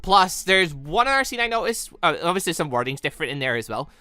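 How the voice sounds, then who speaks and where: Bright, chatty gamer. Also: mid-range voice, sing-song, quick pace, no room sound. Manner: chatty, rambling, self-correcting. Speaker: host of a gaming channel. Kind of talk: casual let's-play commentary.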